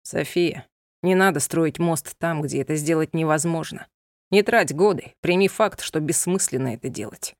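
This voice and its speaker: A woman's voice: sits low, normal speed, no echo, studio quality, pitched below the performer's own voice. A woman voicing a proud, stern young gypsy man who speaks coldly and curtly. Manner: cold, curt and commanding.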